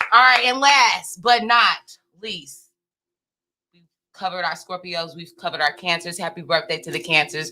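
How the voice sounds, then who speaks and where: A woman's animated voice at a moderate pace, with very wide pitch swings. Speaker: tarot reader livestream host. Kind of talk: live stream casual chat. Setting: live stream. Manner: loud.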